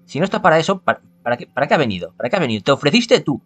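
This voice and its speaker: A man's voice: fairly high pitch, very animated, very fast, fairly bright tone, no room sound. A man playing through a visual novel aloud with casual commentary, musing and stumbling as he goes. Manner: stumbles and rereads, muses aloud. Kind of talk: casual gameplay commentary with dramatized reading.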